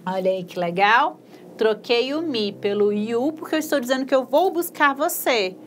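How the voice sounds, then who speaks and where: A Brazilian woman teaching English in a recorded video lesson, slowly spelling out English sentences word by word and explaining in a casual, encouraging way. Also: on the high side, animated, slight background noise. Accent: Brazilian Portuguese.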